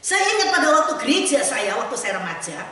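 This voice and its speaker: A woman's voice: fairly high pitch, quick pace. A woman evangelist from Indonesia preaching a sermon, dramatizing quoted voices, recorded from a distance in a church. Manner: animated, acts out quoted voices. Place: church sanctuary. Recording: echoey church hall, mic far off.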